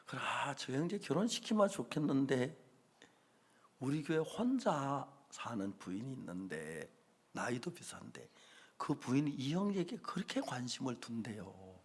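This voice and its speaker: A middle-aged man, preaching a sermon as a pastor and telling stories with acted-out dialogue and sudden loud bursts. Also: mid-range voice, sing-song, normal speed, husky.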